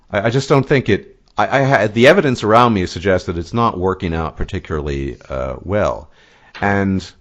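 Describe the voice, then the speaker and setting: A man in a casual discussion, speaking hesitantly with many fillers and restarts. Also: sits low. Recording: muffled lo-fi audio.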